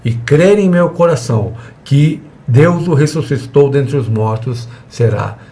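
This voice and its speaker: Unhurried and animated, this medium-pitched man with a dark tone leads a church seminar lesson on evangelism. His style is conversational, and he acts out little dialogues with the people he addresses.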